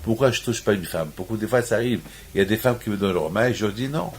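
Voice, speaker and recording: A man's voice: on the low side, expressive, fast, slight background noise. A man from Morocco giving a sermon on the weekly Torah portion, restating his points over and over and rising into emphatic peaks. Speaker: rabbi.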